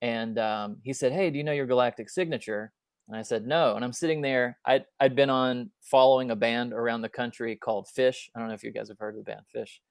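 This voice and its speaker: A man telling a personal story as a guest speaker at an online talk, halting with many fillers and restarts, over a video call. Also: mid-range voice, steady tone, vocal fry, clean tone, dry recording, studio quality.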